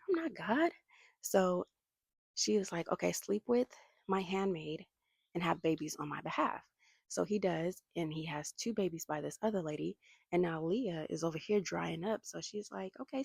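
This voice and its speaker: Vlogger, female, gravelly and husky, chatty outdoor recap, dry close sound. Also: lowish voice, darkish tone, no echo. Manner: chatty, retells with quoted voices. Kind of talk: casual Bible study recap. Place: outdoors near traffic.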